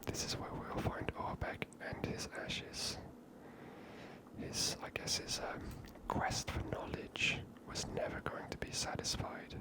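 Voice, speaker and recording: A woman speaks entirely in a soft, breathy whisper. She comments on a video game in a casual, musing manner, as the host of an ASMR series. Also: unhurried, rough recording.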